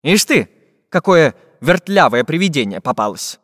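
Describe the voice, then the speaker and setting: A practical little iron handyman, voiced by a male reader, earnest and puffing as he speaks. His tone moves with lively swings. The dry voice trails a long reverb. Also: fairly high pitch, moderate pace.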